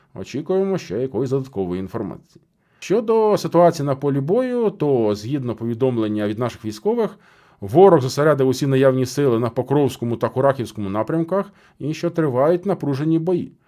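A man's fairly high, dark and mellow voice moves at a fairly quick pace with very wide pitch swings over a quiet background. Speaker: political news commentator. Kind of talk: solo news commentary.

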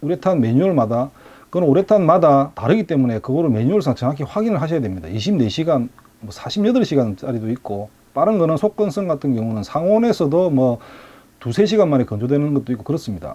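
Speech runs at a fairly quick clip. Its pitch rises and falls very widely. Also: man. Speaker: scale model hobby tutor. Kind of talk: tutorial. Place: home room.

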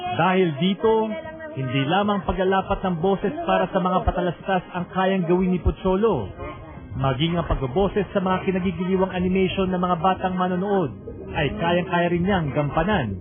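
Over music in the background, a man with a high pitch speaks with ordinary pitch variation. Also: moderate pace. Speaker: voice actor. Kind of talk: interview answer.

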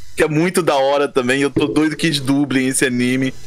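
A man speaks with a fairly high pitch at a fairly quick pace. Noticeable background noise is present. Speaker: co-host. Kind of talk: casual chat.

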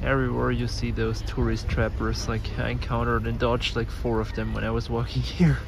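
A man talks in a dry sound with no echo, over noticeable background noise. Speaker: travel vlogger. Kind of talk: casual vlog chat. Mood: relaxed, mildly amused. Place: street. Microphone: phone near.

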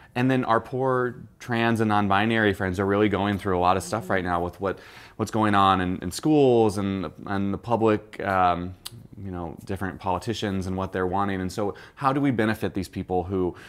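A man at a moderate pace, fairly low in pitch, with ordinary pitch variation. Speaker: guest. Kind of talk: interview answer. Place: kitchen. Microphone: lapel.

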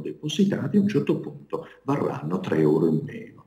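A man is speaking. His pitch swings very widely. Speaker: politician guest. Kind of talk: interview answer. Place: home room. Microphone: video call.

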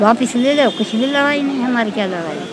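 There is noticeable background noise as a woman speaks in a dry sound with no echo. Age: 80s+. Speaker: protest leader. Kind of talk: interview answer. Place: garden. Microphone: handheld.

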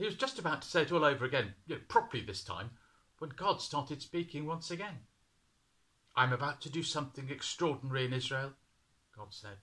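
Fairly high-pitched with a bright, sharp tone, a man talks at a very fast pace with lively intonation, big swings in loudness and long, frequent pauses. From England. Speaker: vicar and bedtime storyteller. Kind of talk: bedtime story narration of a Bible retelling, read aloud. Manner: calm, gentle, soothing. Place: office. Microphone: webcam.

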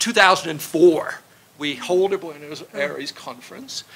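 At a very slow pace, a man speaks in a high voice. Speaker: academic panelist; panelist. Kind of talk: panel talk. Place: meeting room. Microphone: podium.

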